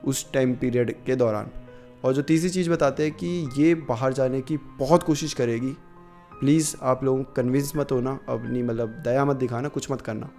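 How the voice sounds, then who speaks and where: A man's voice: medium pitch, darkish tone. A man narrating a horror story in a casual, conversational way with many fillers.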